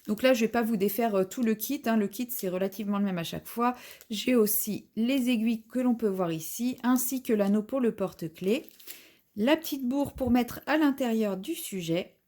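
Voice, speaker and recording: A woman with a somewhat high, soft and mellow voice hosts a casual unboxing vlog at home. She chats as she walks through each item one by one. Her delivery is relaxed and conversational. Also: normal speed. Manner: chatty, describing each item as she unpacks it. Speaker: craft vlogger.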